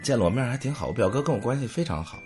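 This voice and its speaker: A man's voice: mid-range voice, expressive, very fast, darkish tone, soft background music. A middle-aged man, hosting and telling humorous anecdotes in a storytelling monologue.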